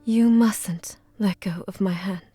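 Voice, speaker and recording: A woman playing a pale, eerie, courteous maid in an audio drama, with formal, archaic, measured speech. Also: medium pitch, natural voice. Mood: courteous, inviting. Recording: music behind the voice.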